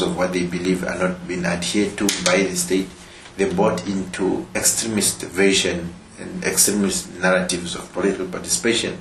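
A man's very deep, low voice at a fairly quick pace, with audible room echo and light background noise. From Namibia. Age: young. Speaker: politician. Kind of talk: interview answer. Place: hall.

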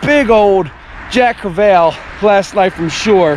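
A man is talking. Background noise is noticeable. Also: dry sound with no echo. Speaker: fishing vlogger. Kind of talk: casual vlog chat. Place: waterside. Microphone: phone near.

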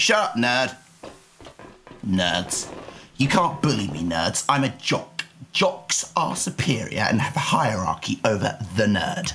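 Very slowly and with long, frequent pauses, a man with a British accent speaks at a medium pitch. His pitch swings very widely, and background noise is noticeable. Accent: British-sounding. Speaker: gaming streamer. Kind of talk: live gaming stream commentary. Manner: animated.

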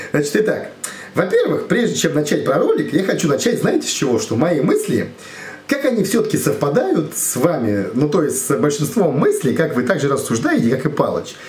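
A man at a moderate pace, with audible room echo. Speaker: vlogger reviewing another channel. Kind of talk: casual vlog chat. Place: home room. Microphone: phone near.

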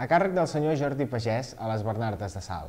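A man speaks at a moderate pace with lively intonation. His tone is dark and mellow. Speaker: news presenter and weather forecaster. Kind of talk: news reading. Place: studio.

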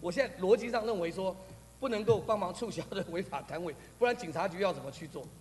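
A man speaks at a very fast pace with a high pitch and ordinary pitch variation. His loudness swings widely over light background noise. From Taiwan. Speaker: city councillor. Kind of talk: council interpellation. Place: hall. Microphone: podium.

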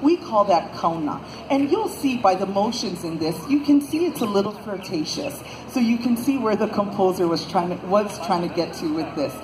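Despite noticeable background noise, a woman of medium pitch can be heard making very wide pitch swings. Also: moderate pace. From Hawaii. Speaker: hula instructor. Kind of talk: live show commentary to audience.

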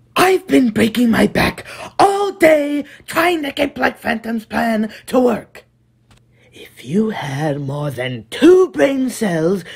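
A man speaks in a high voice at a fairly slow pace, his pitch swinging very widely. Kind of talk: comic overacting. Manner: pompous, condescending, exasperated.

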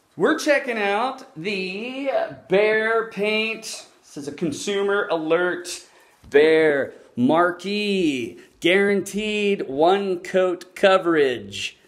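This man talks very slowly in a high voice, his intonation lively. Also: big swings in loudness. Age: 50s. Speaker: YouTuber reviewing house paint. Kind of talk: casual video review. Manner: casual, conversational. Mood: jokey, mildly skeptical. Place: home room. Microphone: phone near.

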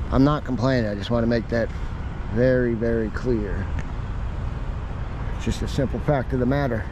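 Over noticeable background noise, the voice moves at a moderate pace with fairly even intonation and a dry sound with no echo. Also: man. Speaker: train hopper vlogger. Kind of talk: casual vlog chat. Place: open country. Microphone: phone near.

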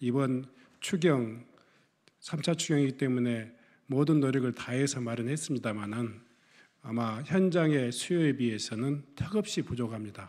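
A fairly slow pace with ordinary pitch variation over a quiet background. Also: man. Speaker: politician. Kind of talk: press conference statement. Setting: press conference. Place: hall. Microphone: podium.

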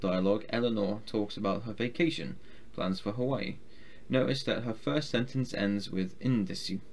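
The speaker is a man with an English accent. He keeps a moderate pace. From England. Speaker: YouTuber learning Japanese. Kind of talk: study session reading aloud from a textbook; reading study text aloud. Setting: indoor home recording setup. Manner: casual, rambling. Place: home room. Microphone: webcam.

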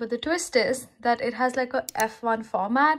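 Loud background noise fills this recording of a woman. Her pitch is high, with ordinary pitch variation. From India. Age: 20s. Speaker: student vlogger. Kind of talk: vlog. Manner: animated. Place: home room. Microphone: phone near.

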